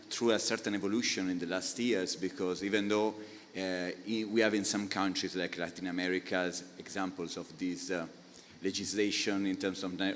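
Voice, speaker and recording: A man's voice: low voice, slight background noise. Italian-accented man on a hall panel. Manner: explanatory, halting with many filler sounds. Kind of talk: panel discussion answer. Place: conference hall. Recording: reverberant conference hall.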